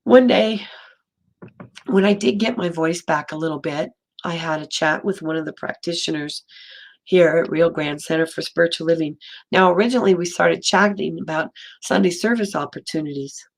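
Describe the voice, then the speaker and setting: A woman minister giving a gentle, storytelling sermon in a slightly hoarse voice, slowing and softening for emphasis. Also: fairly low pitch. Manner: gentle storytelling, slows and drops to near whisper for emphasis. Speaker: interim minister. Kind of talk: sermon talk.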